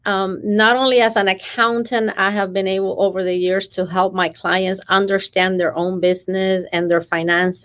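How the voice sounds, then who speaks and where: A middle-aged woman from Venezuela with a Venezuelan Spanish accent, telling her story earnestly and carefully as an interview guest. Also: on the low side. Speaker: podcast guest, motivational speaker.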